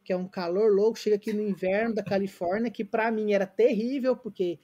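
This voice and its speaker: A man's voice: high voice, fairly even intonation, brisk, mellow. A Brazilian man in his late thirties from Goiânia, an interview guest telling his story earnestly and reflectively, with many fillers and restarts. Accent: Brazilian Portuguese. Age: late 30s. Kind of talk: casual remote interview, storytelling.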